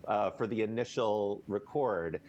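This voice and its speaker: A man chatting casually as an interview guest on a video call, in an animated, self-effacing way. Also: lowish voice, a little slow, muffled recording. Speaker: guest, voice actor.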